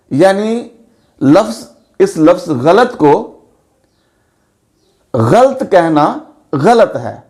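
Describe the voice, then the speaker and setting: A man teaching Urdu pronunciation and spelling, speaking slowly and deliberately and spelling out each vowel mark. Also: sits high, darkish tone. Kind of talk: pronunciation lesson.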